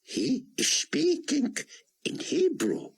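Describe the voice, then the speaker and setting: A man's voice: huge pitch swings, slow, vocal fry, breathy edge, exaggerated voice. A man doing a trembling, awestruck old rabbi. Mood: awed. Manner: hushed, trembling, rising high in awe. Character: elderly male rabbi scholar, awed and fervent.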